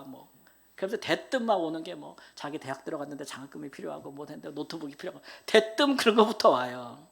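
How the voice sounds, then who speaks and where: Middle-aged man, pastor, sermon, earnest storytelling, soft asides, sudden loud bursts, church sanctuary. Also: medium pitch, gravelly.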